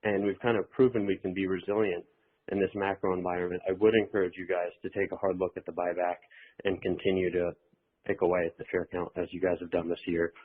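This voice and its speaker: A man's voice: low-pitched, level tone, fast, slightly rough. A man calling in as an investor, giving informal financial commentary and advice in a conversational way. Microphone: telephone. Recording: tinny telephone line.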